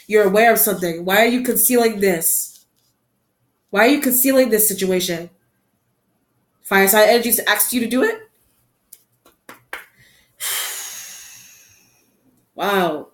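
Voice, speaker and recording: A woman giving a tarot card reading to her viewers. She talks in a musing, halting way, repeats her phrases and often breaks off to exclaim. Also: medium pitch. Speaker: tarot reader. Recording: echoey room.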